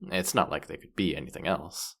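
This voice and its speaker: Low, creaky, boastful demon guide acted by a man. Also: a little fast, a bit bright, exaggerated voice. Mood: defensive, disdainful. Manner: playful, smug, mock-offended, hesitating mid-thought. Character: boastful, teasing male demon guide of the afterlife. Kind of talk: scripted character audio roleplay addressed to the listener.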